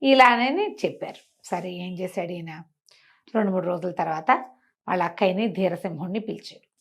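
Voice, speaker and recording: A woman with a lowish, creaky voice tells a folk tale at a moderate pace, chatting to her listener in a colloquial way. She acts out what the characters say, adding explanations and asides as the story unfolds.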